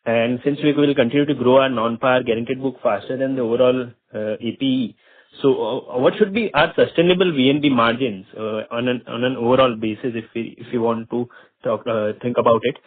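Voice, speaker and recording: An Indian-accented man speaks as an analyst, setting out questions on a business call. His pitch is medium. The sound is thin and phone-like. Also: steady tone, fairly quick. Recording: tinny phone-like line.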